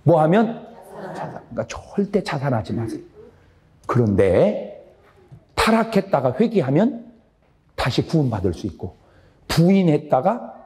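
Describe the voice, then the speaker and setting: Lively animated Korean pastor preaching. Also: male voice. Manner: call-and-response questions to the congregation; animated, swings between loud high lines and low drops. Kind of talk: revival sermon. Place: church sanctuary.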